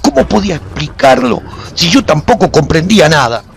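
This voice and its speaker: A man's voice: high voice, sing-song, brisk, gravelly, heavily acted. An actor playing a haunted warrior who narrates his post-apocalyptic story in a solemn, theatrical, intense way for a radio drama. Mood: frantic, intense. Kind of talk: dramatic first-person scripted narration.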